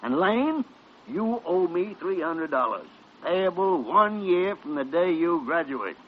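An actor playing a gruff, bossy senior hospital doctor who barks orders and teases, in an old radio drama. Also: male voice, sits high, big pitch swings, takes it slowly, slight background noise, heavily acted. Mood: dry. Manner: barking, teasing, growly. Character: gruff bossy older male chief doctor. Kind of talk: 1950s radio drama acting. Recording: dull lo-fi old radio recording.

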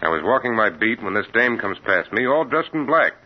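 Plain beat cop, hesitant, husky,, old radio. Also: male voice, fairly low pitch, very animated, fairly quick. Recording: dull old radio broadcast.

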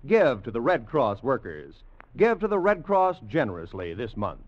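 A man's voice: mid-range voice, wildly swooping pitch, moderate pace. A man announcing a 1940s radio drama in a formal, emphatic manner. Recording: dull old radio broadcast with music.

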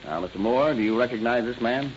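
A man's voice: mid-range voice, fast talker, close to an everyday voice. An actor playing a firm, commanding male police captain in a 1930s radio drama. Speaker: police detective. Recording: dull old radio recording with faint noise.

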